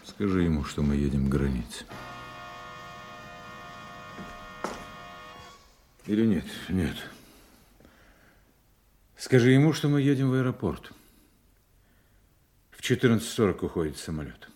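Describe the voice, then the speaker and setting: Male spy, very low husky voice, guarded, tender yet bitter, intense radio-play delivery, music underneath. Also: animated, moderate pace, pauses often, dark tone. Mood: tense, restrained. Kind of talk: Russian audio play acting.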